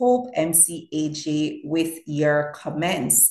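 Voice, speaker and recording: With audible room echo, a woman speaks in a fairly low pitch and lively intonation. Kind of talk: radio interview.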